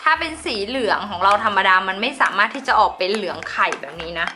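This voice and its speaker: A woman's voice: mid-range voice, expressive, fast talker, bright, forceful tone, a little hiss or hum. A woman hosting a chatty craft tutorial, bubbly and polite, talking straight to her viewers. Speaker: slime-making channel host.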